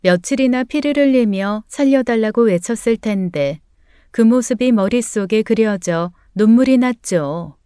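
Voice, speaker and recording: Smooth mellow woman narrating a story. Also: on the high side, lively intonation, a little slow, no room sound, clean studio sound. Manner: emotional, dramatic storytelling. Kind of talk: scripted first-person story narration.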